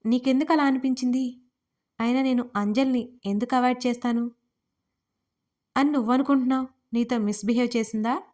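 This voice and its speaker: Woman doing short-tempered young man, curt, snappish, English phrases mixed in, higher pitch. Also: fairly even intonation, fairly quick, long pauses, warm tone, close to an everyday voice. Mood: firm. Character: short-tempered young male romantic lead.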